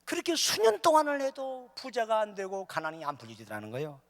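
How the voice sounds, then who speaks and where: A man's voice: high-pitched, huge pitch swings, fast. A middle-aged man preaching as a revival speaker, telling a story with humor and acting out the dialogue. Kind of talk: sermon. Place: large church sanctuary. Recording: echoey church hall.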